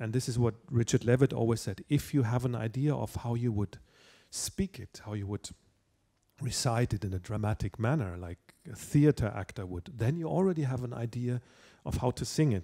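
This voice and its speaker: A somewhat breathy man with a German accent, a dark, mellow tone, lively intonation and a moderate pace, over a quiet background. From Germany. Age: 40s. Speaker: classical singer; guest. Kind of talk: public conversation. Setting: stage with audience. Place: hall. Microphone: handheld.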